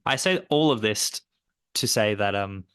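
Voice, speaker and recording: A man hosts a conversational interview, rambling with enthusiasm and casual fillers. His voice sits on the low side. The recording is dry, with no room echo. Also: expressive, normal speed, fairly bright tone, clean tone. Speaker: interviewer host.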